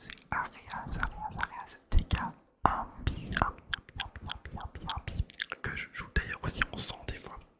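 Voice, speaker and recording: Whispering in an intense tone at a very slow pace, the voice comes through noticeable background noise. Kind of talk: ASMR video, casual talk about video game characters. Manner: intense whispering.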